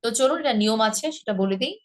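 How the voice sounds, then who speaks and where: Woman teaching pronunciation, kinda high voice, patient, says each word over and over slowly. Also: expressive. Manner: patient, repeats words slowly to demonstrate. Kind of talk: online pronunciation lesson. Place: rented home in a city.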